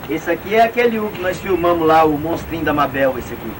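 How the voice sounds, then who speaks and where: A man's voice: a little high, very animated, fast talker, noisy background. An older man chatting casually outdoors, recorded by a camcorder on old worn tape. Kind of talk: casual rambling chat. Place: outdoors by a wooden farmhouse. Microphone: camcorder some distance away. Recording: old worn tape, distant, people around.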